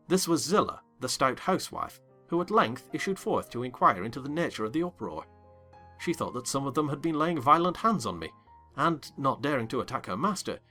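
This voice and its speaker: A man narrating a dramatized classic novel in first person with a theatrical, expressive delivery, soft music beneath. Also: mid-range voice. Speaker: audiobook narrator.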